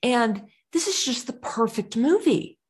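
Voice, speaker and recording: Slow-talking animated woman co-host. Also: husky. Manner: animated storyteller, puts on high squeaky voices when quoting. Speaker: podcast co-host. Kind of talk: casual chat.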